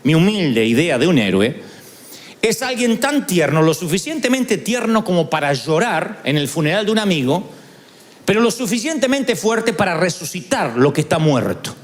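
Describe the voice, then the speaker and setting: A male pastor, preaching a sermon through animated, humorous storytelling. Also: high voice, moderate pace.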